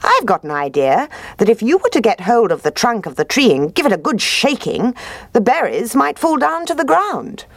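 A woman voicing a sly, polite male fox who coaxes and flatters in a genteel manner. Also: on the high side, normal speed, no echo, voice pushed up. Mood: coaxing. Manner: genteel, coaxing, says "old boy".

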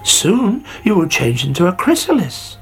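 A storyteller voicing a kind, gentle female butterfly who speaks in a soothing, amused way. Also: mid-range voice, wildly swooping pitch, a little slow, voice pushed up. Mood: kindly.

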